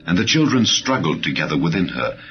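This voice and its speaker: A man with a very deep voice narrates scripture for an audiobook. His delivery is solemn and measured, each phrase settling downward at its close. The sound is a little muffled, with music clearly playing underneath. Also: sing-song. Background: background music.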